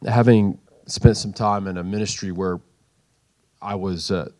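A middle-aged man sharing a comment in a group discussion, halting and repeating words as he thinks. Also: sits low, steady tone, warm tone. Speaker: participant in the group.

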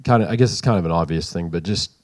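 Deep-voiced man commenting in a group. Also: a little mellow. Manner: halting, repeats words as he thinks. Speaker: participant in the group.

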